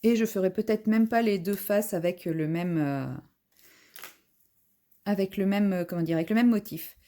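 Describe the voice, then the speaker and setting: A woman's voice: mid-range voice, moderate pace, dark tone. A woman vlogger in a casual unboxing video, chatting as she describes each craft item while she unpacks it at home.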